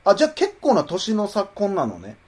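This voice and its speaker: A man with a Kansai accent chats on a podcast in a husky voice with a lively, bouncing pitch. He teases his co-host in an easy, playful banter. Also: moderate pace. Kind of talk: casual chat.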